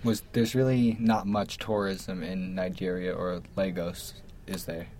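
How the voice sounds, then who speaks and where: Casting: male interviewer, low register, informal questioning, slight noise behind the voice. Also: level tone, a little slow, darkish tone. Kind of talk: casual questioning.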